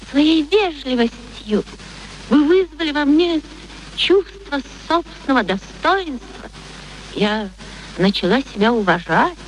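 A woman's voice: fairly high pitch, poor audio. An actress playing a proud young former street girl turned lady, speaking with mannered, pointed politeness in a radio play. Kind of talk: theatrical radio play acting. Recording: faint background noise, archive radio recording.

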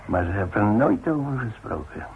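Through a narrow, hissy old radio recording comes a stubborn old workman and father. His voice is low and gravelly. He muses haltingly and gruffly, in the manner of a radio drama. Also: very animated. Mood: rueful, reflective. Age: older. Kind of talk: radio play acting.

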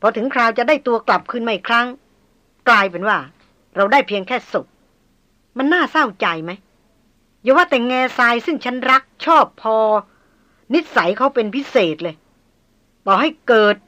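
A hot-tempered young noblewoman in a storybook voiced by a woman narrator presses with pointed questions and indignant complaints. Her voice rings bright and sharp. She is quick to anger and easily worried. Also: on the high side, expressive. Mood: heartfelt.

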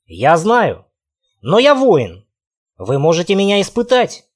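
A man voicing a big, stubborn warrior who speaks gravely, in an audiobook. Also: sits high, wildly swooping pitch, slow, exaggerated voice. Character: brooding burly male warrior, stubborn.

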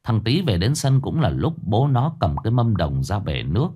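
Low-voiced man narrating a ghost story. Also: normal speed, husky. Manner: dramatic, expressive storytelling.

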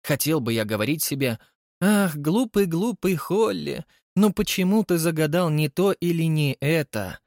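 A man's voice: on the high side, lively intonation, normal speed, darkish tone, no echo, clean studio sound, pitched above the performer's own voice. A man voicing a vain, eccentric male artist who talks dramatically and indignantly, in an audiobook reading. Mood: impassioned. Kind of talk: audiobook character voice.

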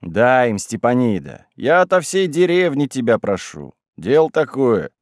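A man's voice: mid-range voice, big pitch swings, a little slow, darkish tone, dry recording, clean studio sound. A man voicing an earnest middle-aged village foreman who speaks firmly and persuasively. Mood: persuading. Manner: firm and persuasive.

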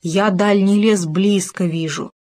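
A woman's voice: medium pitch, measured pace, natural voice. A woman voicing a small, curious and bold male hamster who speaks eagerly in a storybook reading. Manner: lively and eager.

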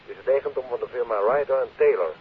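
A Dutch actor playing a secretive, earnest telephone caller in a 1950s radio play. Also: male voice, mid-range voice, very fast. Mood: guarded, urgent. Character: secretive, earnest male caller arranging a meeting. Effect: telephone filter. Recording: tinny phone line, hissy 1950s radio.

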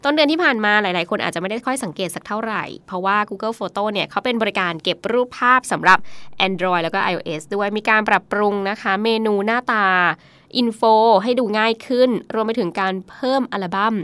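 A woman's voice: mid-range voice, animated, brisk, a bit bright, clean tone, no room sound. A woman co-hosting a tech talk show, chatting casually about apps and often murmuring agreement. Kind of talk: casual tech news chat.

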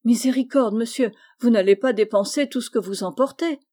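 A woman's voice: on the high side, a little fast, dark tone, lightly acted. A woman reading the part of a thrifty, devout woman servant in a storybook, earnest and cautioning.

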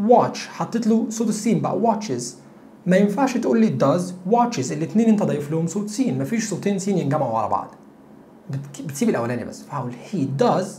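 A man with an Egyptian Arabic accent teaching English grammar, repeating example sentences slowly and asking the viewer rhetorical questions. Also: on the high side, dark tone, a little hiss or hum. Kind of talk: grammar lesson explanation.

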